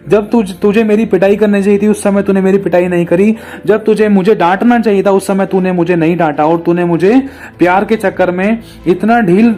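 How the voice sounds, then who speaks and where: A man's voice: high voice, mellow, close to an everyday voice. A man voicing a condemned young man who bitterly blames his mother in a sermon story. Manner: blaming, repetitive pleading.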